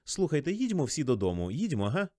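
A man's voice: on the high side, wildly swooping pitch, a little fast, dark tone, voice pushed up. A man voicing a young society wife, raising his voice into a pleading tone.

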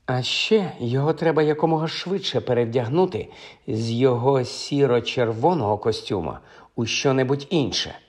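A man's voice: medium pitch, expressive, normal speed, lightly acted. A man reading an audiobook, voicing a stern young woman who questions pointedly and insistently. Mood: scornful. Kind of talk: audiobook character voice.

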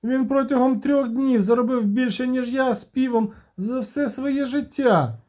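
A man voicing an excitable, flamboyant male bard who talks theatrically. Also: extremely high pitch, measured pace, pitched above the performer's own voice. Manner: theatrical, exclaiming.

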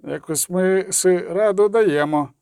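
A gloomy settler who answers in short, curt lines, as a male narrator gives him a voice. The delivery stays close and dry, with the pitch sitting fairly high and moving a lot. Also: measured pace, warm tone, clean tone, no echo. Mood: sullen. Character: sullen male settler, terse and distrustful.

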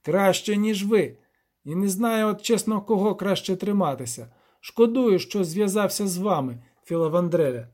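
A man voicing a hot-tempered, goat-legged male forest devil who scolds loudly and bleats. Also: high-pitched, moderate pace, pitched above the performer's own voice. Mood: bitter.

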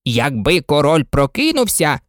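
A woman voicing a contrary, teasing boy twin in a storybook reading, cocky and excitable. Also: sits low, unhurried, dry recording, studio quality.

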